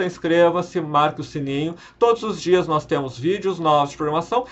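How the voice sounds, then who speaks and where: A man with a fairly high voice gives an earnest programming lesson, explaining step by step and posing rhetorical questions to the learner. The recording sounds dull and lo-fi. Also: fairly bright tone. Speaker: programming instructor. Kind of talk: explanatory lecture.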